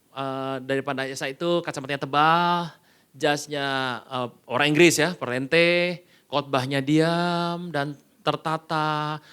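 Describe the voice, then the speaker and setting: A male pastor preaching a sermon in a casual, colloquial way, telling stories with sudden jumps between loud bursts and hushed asides. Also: a little high, clear, resonant tone. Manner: animated storytelling with sudden loud and hushed swings.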